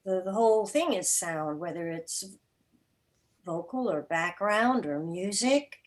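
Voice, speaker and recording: A woman answering as an interview guest, explaining things deliberately and emphatically in short, broken phrases. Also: medium pitch. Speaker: guest, radio drama and podcast producer.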